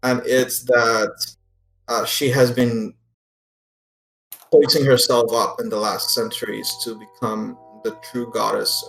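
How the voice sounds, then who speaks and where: A man's voice: lowish voice, vocal fry, a bit bright. A man speaking casually as the game master of a tabletop role-playing game. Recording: roomy echo, faint music behind.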